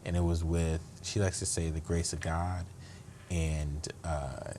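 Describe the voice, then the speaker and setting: A man's voice: deep voice, flat delivery, a little slow, warm tone, a little hiss or hum. A man speaking as an interview guest, earnest and reflective, often restarting his sentences. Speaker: guest, state attorney. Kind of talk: conversational interview.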